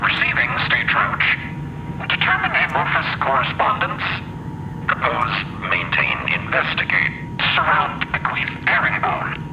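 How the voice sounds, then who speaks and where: A man's voice: on the high side, a little slow, long pauses. A man playing a radio operator in an audio drama, babbling clipped, broken word-salad through a distorted radio filter. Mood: garbled, businesslike. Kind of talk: audio fiction acting. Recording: crackly, static-laden distant radio transmission.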